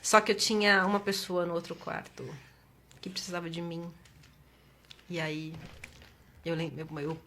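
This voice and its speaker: A middle-aged Brazilian woman with a Brazilian Portuguese accent, a guest chatting in an interview and telling stories with lively acted-out dialogue. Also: lowish voice, measured pace, long pauses, slight background noise. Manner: expressive storyteller, acts out quoted dialogue. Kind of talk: casual interview chat.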